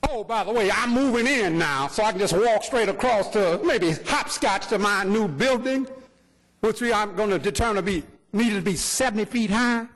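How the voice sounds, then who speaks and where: High-pitched, combative activist, reverberant council chamber. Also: male voice, normal speed, a bit bright. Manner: fiery, confrontational, rhetorical questions. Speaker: public commenter, political activist. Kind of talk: impassioned public comment. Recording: long reverb in large chamber.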